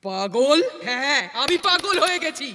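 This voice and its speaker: A woman's voice: sits high, very animated, moderate pace, heavily acted. An actress dubbing a fierce, defiant old grandmother in a film, scolding and mocking her son and grandson. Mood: accusing. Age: older. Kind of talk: dubbed film dialogue. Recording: film soundtrack with loud music.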